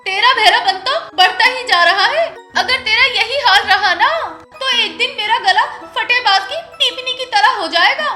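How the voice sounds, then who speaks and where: A woman plays a sharp-tongued Haryanvi village wife who scolds and nags. Her voice is very high and bright, ringing in an echoey room over light music. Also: normal speed, hardly any pauses. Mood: nagging. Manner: scolding, nagging. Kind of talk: comedic film acting.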